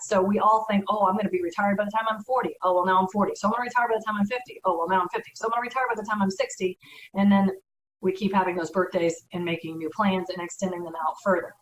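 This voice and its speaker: A woman's voice: mid-range voice, distant mic, slight background noise. Woman giving advice in an echoey room. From United States. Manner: earnest, advisory, conversational. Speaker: real estate broker. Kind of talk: educational talk.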